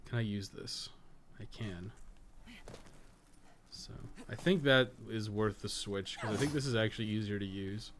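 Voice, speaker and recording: Low-voiced man rambling over gameplay, noisy recording. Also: measured pace, long pauses, fairly bright tone. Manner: rambling, sweary, thinking aloud. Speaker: game streamer and podcast co-host. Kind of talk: casual unscripted gameplay commentary. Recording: clearly noisy background.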